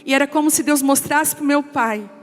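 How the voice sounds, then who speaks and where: A woman pastor giving an emotional testimony sermon, telling a family story and quoting relatives in a softer voice. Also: high voice, moderate pace. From Brazil. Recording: long hall reverb with soft music.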